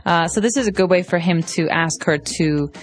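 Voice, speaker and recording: A woman's voice: fairly low pitch, brisk. A woman co-hosting an English lesson podcast, explaining phrases with examples. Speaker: co-host, English teacher. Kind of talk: language lesson podcast chat.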